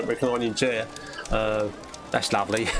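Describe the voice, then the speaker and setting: Over background music, a man talks very fast in a flat, monotone delivery. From London. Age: 60s. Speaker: plasterer and live stream host. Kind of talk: casual chat. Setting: live stream. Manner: halting, many fillers and restarts.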